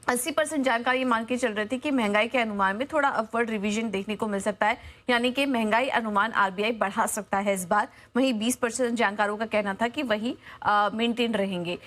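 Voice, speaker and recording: A young woman reporter speaks live on a business news channel, her voice set a little high. She stalls often, filling gaps with drawn-out "uh" sounds and restarting words mid-phrase. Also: fairly bright tone. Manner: hesitant, many filler sounds and restarts.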